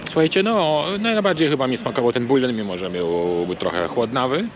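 A man's voice: mid-range voice, animated, moderate pace, a crowd in the background. Laconic man food vlogger. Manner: laconic, dry, short replies. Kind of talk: casual chat.

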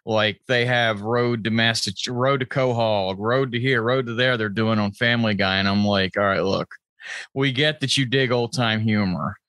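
A man's voice: fairly low pitch, normal speed, a bit bright, dry recording. A man co-hosting a podcast, chatting casually and giving his opinions in informal language. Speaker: podcast co-host.

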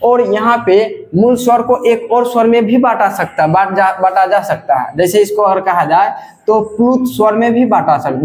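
A male teacher giving a classroom grammar lesson, drawing out example sounds slowly and saying "ठीक है" again and again. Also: high voice, a little mellow, reverberant.

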